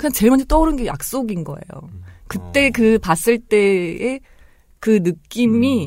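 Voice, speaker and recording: This woman's pitch sits fairly high and swings very widely. She talks at a fairly slow pace, with big swings in loudness. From South Jeolla, Korea (Yeosu). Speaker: actress. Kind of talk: interview. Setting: studio. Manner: nervous.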